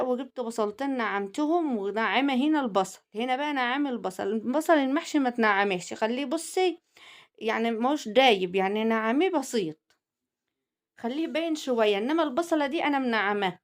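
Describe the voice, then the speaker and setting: Egyptian woman hosting a home cooking channel, high voice, quick chatty delivery, middle-aged. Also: animated. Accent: Egyptian Arabic. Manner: chatty, teasing, addresses viewers directly. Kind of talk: cooking video narration.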